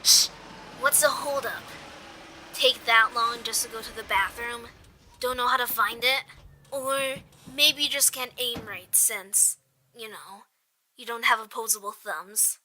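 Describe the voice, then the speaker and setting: A smug, taunting kidnapper in an audio drama, acted by a woman. The voice is high and very sharp, drawn out slowly over a noisy background. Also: steady tone. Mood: mocking.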